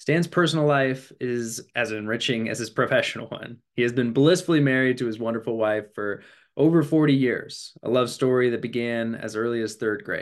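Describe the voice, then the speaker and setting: Using an ordinary speaking voice, a man talks at a moderate pace with ordinary pitch variation. He hardly pauses at all. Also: medium pitch for a man, quiet background. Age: 30s. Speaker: podcast host. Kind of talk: casual interview chat; scripted intro narration.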